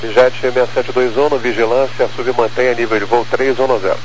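A man's voice: medium pitch, steady tone, quick pace. Brazilian male air traffic controller on muffled radio. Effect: radio transmission. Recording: muffled aviation radio, faint noise.

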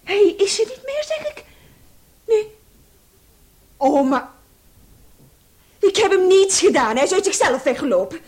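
An indignant lady of the house in a radio play, questioning and exclaiming. Her high voice swings widely in pitch and takes its time. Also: big pitch swings, unhurried, long pauses, a little mellow, exaggerated voice. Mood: flustered. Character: indignant woman flat owner confronting burglars.

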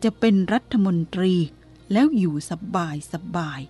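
Blunt calm old monk, woman reading him, firm and straight, mellow tone. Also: fairly low pitch, slightly rough, soft background music. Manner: plain-spoken, firm, unhurried. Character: calm blunt elderly male abbot.

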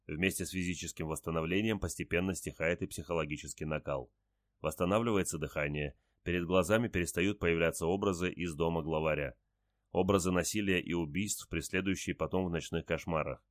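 A man reading a first-person story aloud in a calm, terse manner with short clipped sentences. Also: low-pitched, fairly quick, no room sound, studio quality. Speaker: audiobook narrator.

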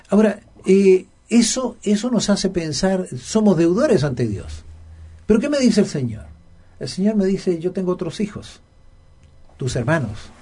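A man co-hosting a Bible study dialogue, earnest and emphatic. His voice sits fairly high but sounds mellow and a little husky, with faint music underneath. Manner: earnest, emphatic, with frequent fillers and repeated words. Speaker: Bible study program co-host.

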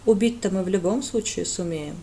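A woman's voice: medium pitch, normal speed, dark tone, slight background noise, close to an everyday voice. A woman voicing a cold, curt male priest with a clipped, dry manner.

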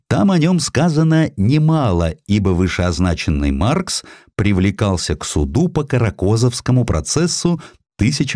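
A man's voice: fairly low pitch, a little mellow, no echo, studio quality. A man narrating a historical sketch as an audiobook, expressively, in a theatrical, wry storyteller's manner.

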